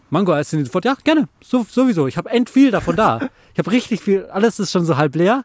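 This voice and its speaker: A man's high voice at a very fast pace with very wide pitch swings, in a dry, close sound with no echo. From Bavaria, Germany. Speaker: podcast co-host. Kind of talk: casual chat. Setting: outdoors at a lake beach.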